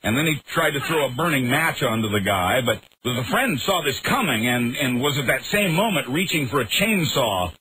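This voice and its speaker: A man's voice: medium pitch, very animated, normal speed, few pauses, sharp tone. A man reading the news on a radio show with wry, punchy delivery and some casual banter. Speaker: radio newsreader. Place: radio studio. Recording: noisy taped radio broadcast.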